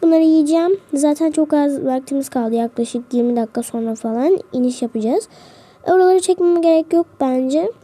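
A woman's voice: high voice, a little fast, mellow. A woman hosting a role-play vlog who chats straight to her viewers as she narrates. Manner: chatty, talks straight to viewers.

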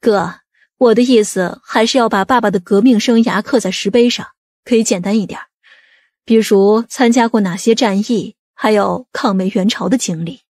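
A woman playing a practical, inquisitive sister in an audiobook family drama, measured and straightforward. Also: medium pitch, darkish tone, dry recording, studio quality, lightly acted.

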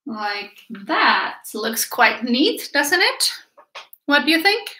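Taking it slowly with big swings in pitch, this high, pushed, bright-voiced woman runs a live paint-along lesson. In her thirties and Swedish-accented, she chats encouragingly with viewers at an easel in a small echoey room, turning away at times from a camera a few feet away.

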